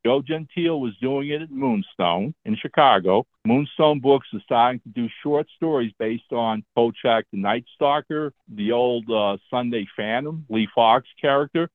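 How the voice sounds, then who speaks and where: Guesting on a casual interview, a man in his seventies who writes comic books recounts anecdotes from his career at medium pitch and a moderate pace, with few pauses. His chatty talk is dotted with "all right?" check-ins, and the tinny phone-line recording has no echo.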